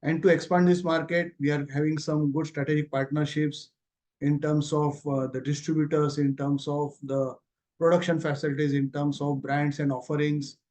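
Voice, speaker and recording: A man's voice: fairly high pitch, flat delivery, moderate pace, a little mellow. A man with an Indian accent giving a company results presentation as an executive on a conference call, speaking informally. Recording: muffled, lo-fi conference call audio.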